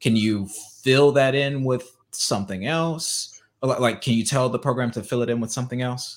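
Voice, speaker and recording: Fairly even intonation marks a man's medium-pitched voice as he speaks at a moderate pace. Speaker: tech podcast host. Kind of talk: interview. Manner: filler-heavy, hesitant.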